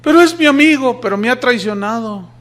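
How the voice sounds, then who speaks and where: A man's voice: very high voice, steady tone, takes it slowly, fairly bright tone, breathy edge, voice pushed up, exaggerated voice. A man voicing a young disciple who protests in a whiny, pleading way.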